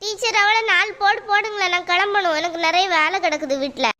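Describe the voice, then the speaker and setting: A woman's voice: extremely high pitch, quick pace, bright, forceful tone, a little hiss or hum. A woman voicing a quarrelsome, pushy mother in a cartoon, talking in a bossy, demanding way. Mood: angry. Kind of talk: cartoon voice acting.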